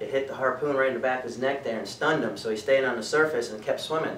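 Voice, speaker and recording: A man speaks at a very fast pace. Audible room echo and light background noise are present. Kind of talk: casual self-introduction storytelling. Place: home room. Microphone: camera far.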